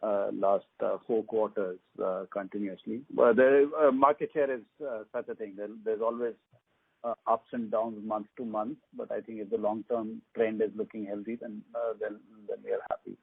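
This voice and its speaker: A man, a company executive answering analysts' questions on a conference call, measured and hesitant with many fillers. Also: fairly low pitch, fairly even intonation, creaky, breathy edge, dry recording. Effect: conference call phone line. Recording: tinny dry phone line.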